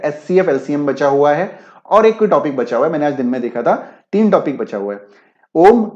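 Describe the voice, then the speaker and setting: Higher-voiced teacher, echoey and dull. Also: male voice, darkish tone. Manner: mixes Hindi with English, keeps checking if students follow. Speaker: online exam-prep teacher. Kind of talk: live-class explanation with chat replies.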